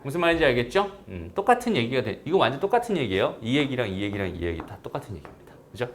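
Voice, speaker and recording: A man teaching a recorded math lecture in a casual way, often checking understanding with quick tag questions. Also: mid-range voice, big pitch swings, slight background noise.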